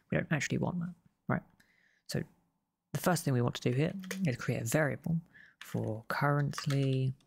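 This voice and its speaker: A man losing his voice, walking through a coding tutorial in a relaxed way and often correcting himself as he goes. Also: medium pitch, creaky, a little hiss or hum. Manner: relaxed, self-correcting explanations. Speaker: game development tutor. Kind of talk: screen-recorded coding tutorial.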